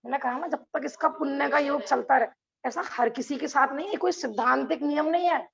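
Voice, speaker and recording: High, gravelly-voiced woman teaching a class. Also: a little fast, highs cut off, crowd noise. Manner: asks the class rhetorical questions, laughs between points. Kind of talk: lecture to a class.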